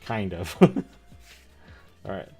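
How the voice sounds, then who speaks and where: A man in his thirties chatting casually on a livestream, rambling and joking in an animated way as he tells stories. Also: deep voice, drawn-out words, gravelly, breathy edge, faint music behind. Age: 30s. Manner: rambling, animated, jokey storytelling. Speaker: streamer opening trading card packs.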